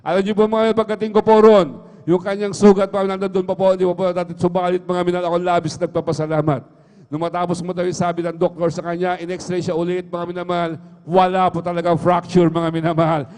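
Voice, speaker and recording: A livestream with long hall reverb captures a middle-aged man's earnest testimony at a church worship service. He speaks fast in a flat delivery, his voice sitting high and a little mellow. He keeps repeating "mga minamahal" to the congregation.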